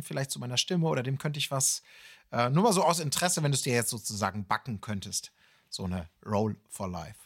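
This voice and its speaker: A man's voice: mid-range voice, husky. A man asking questions casually as a podcast co-host. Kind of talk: casual chat.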